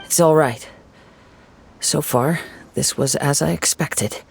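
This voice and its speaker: A man voicing a calm, gentle young wandering samurai in a video game. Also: fairly high pitch, slow pace, creaky, breathy edge, heavily acted.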